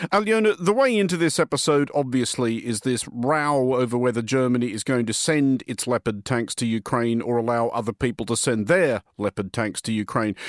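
A man's voice: mid-range voice, dry recording. Radio host man, dry studio sound. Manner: crisp, scripted presenter delivery. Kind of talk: news radio interview and presenting. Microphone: studio mic.

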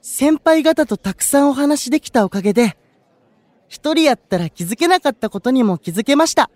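A man voicing a gentle, playful young male idol who speaks, in a voice drama. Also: very high voice, animated, fairly quick, no echo. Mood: friendly. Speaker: young station-worker idol in a unit. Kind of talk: anime-style voice drama acting.

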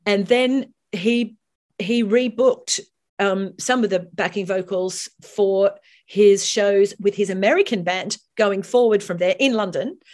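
Woman guest, professional singer from Australia, animated storyteller with lots of restarts. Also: mid-range voice, unhurried. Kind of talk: casual interview chat.

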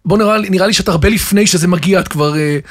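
An Israeli man hosting a casual interview in an informal, chatty, encouraging way. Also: high-pitched. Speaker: interviewer, podcast host.

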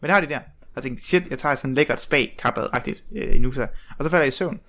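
Stammering young man with gravelly voice. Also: medium pitch, fairly bright tone. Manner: rambling, stammering restarts, laughing often. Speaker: podcast guest, researcher. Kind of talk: casual storytelling chat.

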